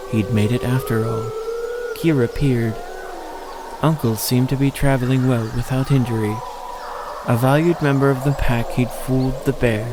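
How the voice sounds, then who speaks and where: A man's voice: mid-range voice, background noise. A man narrating a scripted story in an audio drama.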